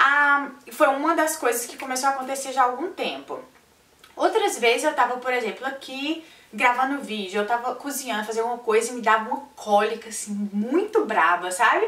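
A woman with a high pitch speaks in a raised, projected voice at a fairly quick pace, her intonation lively amid audible room echo. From Brazil. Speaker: fitness vlogger. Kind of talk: casual vlog monologue. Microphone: camera far.

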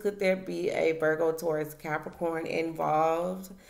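At a moderate pace, someone talks in a normal speaking voice with an American accent. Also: woman. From Georgia. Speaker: tarot reader. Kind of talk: tarot reading. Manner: casual, repetitive. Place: home room. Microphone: webcam.

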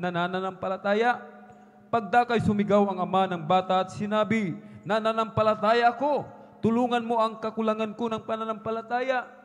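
A man talks at a moderate pace. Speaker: church MC and scripture reader. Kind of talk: announcement and scripture reading. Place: church.

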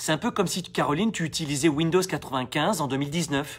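The voice is animated and energetic, somewhat breathy, with lively intonation. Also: man. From Avignon, southern France. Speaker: coach and entrepreneur. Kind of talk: live Q&A, motivational talk. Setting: outdoors in a forest, live stream. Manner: animated, energetic, promotional.

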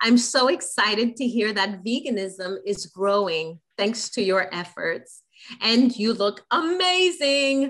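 A woman with a Haitian accent, a warm tone and a fairly high pitch, very wide pitch swings, a very slow pace and a quiet background. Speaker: Q&A moderator. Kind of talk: live Q&A moderation. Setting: video call. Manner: warm, laughs often. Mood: warm, upbeat. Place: home room. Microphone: video call.

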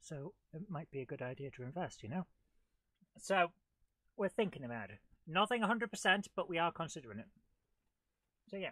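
In a dry, close recording with no echo, a woman with an English accent speaks at a moderate pace and fairly low pitch, using very wide pitch swings, big swings in loudness, and long, frequent pauses. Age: 40s. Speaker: gaming streamer. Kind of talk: live gameplay commentary. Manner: animated.

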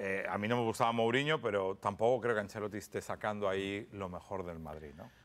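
The delivery is fairly quick with hardly any pauses, ordinary pitch variation and big swings in loudness. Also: man, fairly low pitch for a man. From Spain, Barcelona; Catalonia, Spain. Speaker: sports journalist. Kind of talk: TV interview. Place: studio. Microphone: lapel.

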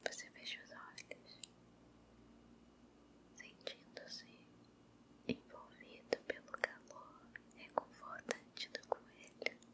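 A woman whispering, with big swings in loudness, long, frequent pauses and noticeable background noise. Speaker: relaxation video creator. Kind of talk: guided meditation narration. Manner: slow calming whisper. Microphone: studio mic.

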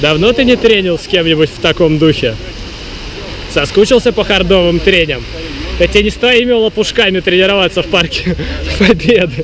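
Over noticeable background noise, a man speaks at a moderate pace with long, frequent pauses, the sound dry with no echo. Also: lively intonation. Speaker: street workout vlogger. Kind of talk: casual vlog chat with gear promo. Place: street. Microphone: phone near.

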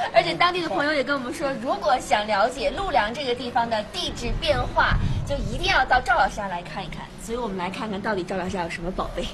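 A woman talks at a very fast pace in a high voice. Her pitch swings very widely, with noticeable background noise. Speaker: travel show presenter; presenter. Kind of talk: on-location presenting and interviews. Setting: outdoors. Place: open country.

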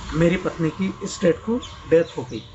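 A man with a high voice at a fairly slow pace, music in the background. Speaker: spiritual channel host. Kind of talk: casual talk to viewers. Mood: earnest, gentle, consoling. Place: home room. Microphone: earbuds.

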